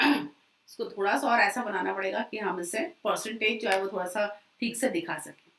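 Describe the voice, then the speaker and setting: Echoey bright-voiced Indian woman teacher. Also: medium pitch, a little hiss or hum. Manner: mixes Hindi and English, checks in with "ठीक है?"; stretches key words slowly for emphasis. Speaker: commerce exam teacher. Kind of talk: live online revision lecture. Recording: echoey, from a distance.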